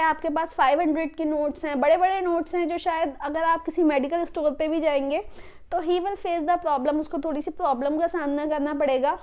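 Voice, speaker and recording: Indian woman teacher, high voice, explains phrases slow and patient. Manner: explains slowly, repeats English phrases clearly. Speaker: English teacher. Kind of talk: classroom-style spoken lesson.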